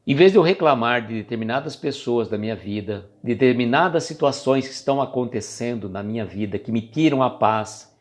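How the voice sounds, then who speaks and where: Man, Brazilian Portuguese accent, live-stream host, casual spiritual reflection, chatty and conversational, mid-pitched voice. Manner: conversational, chatty, greets viewers, loses his thread.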